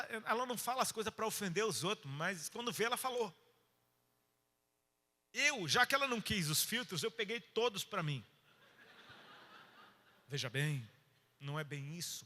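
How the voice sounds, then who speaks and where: Bright-voiced Brazilian preacher in a hall. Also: male voice, sits high. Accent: Brazilian Portuguese. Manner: colloquial storytelling with slang, dynamic swings from loud to hushed. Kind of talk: sermon. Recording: reverberant hall.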